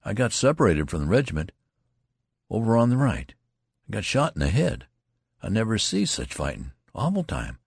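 A man's voice: lowish voice, big pitch swings, gravelly, husky, no room sound, clean studio sound, pitched above the performer's own voice, full character voice. A man doing a stammering, worn-out young soldier. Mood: shaken. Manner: halting, stammering, repeating himself. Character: exhausted young male soldier, faltering and nervous.

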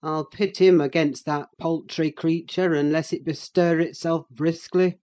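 A woman reads as a bitter, scornful middle-aged man in a storybook recording, his voice gruff, dark and mellow, with a rougher timbre than the narration. He speaks with open contempt, and the pitch sits lower than the reader's own voice. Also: steady tone, measured pace. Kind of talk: audiobook character voice.

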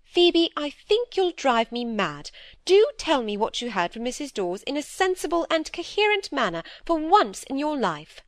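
A woman voicing a severe, brisk elderly spinster who speaks in a commanding, impatient way. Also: sits high, big pitch swings, no room sound, studio quality, pitched above the performer's own voice. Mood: indignant.

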